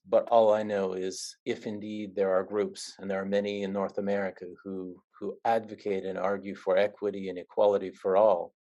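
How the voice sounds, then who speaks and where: A man's voice: lowish voice, dark tone. A man giving an earnest talk on refugees and disability at an online seminar, with frequent restarts. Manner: earnest, halting with repeated restarts. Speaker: seminar speaker. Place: online video call.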